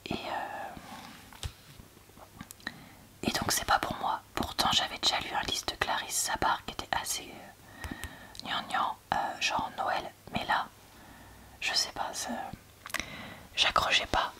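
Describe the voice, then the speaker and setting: Casting: female ASMR book reviewer, hushed library whisper, very crisp bright edge, informal and halting delivery. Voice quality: soft, breathy unvoiced whisper, like a library whisper. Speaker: book reviewer, host of a reading channel.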